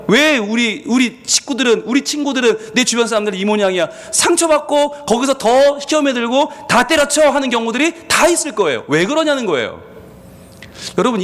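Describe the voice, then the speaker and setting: A male pastor delivers a sermon in a lively, conversational way. His voice sits high and moves a lot in pitch, rising and falling as he plays out everyday quarrels. He talks straight to the congregation, as if chatting with them. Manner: lively, conversational preaching with acted-out quotes.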